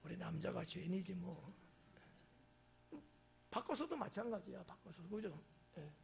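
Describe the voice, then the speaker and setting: A man's voice: sits high, measured pace, gravelly, slight background noise. A male pastor preaching a casual, conversational sermon at an evening church service, often quizzing the congregation and acting out quoted lines. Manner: acts out quoted lines in shifting voices.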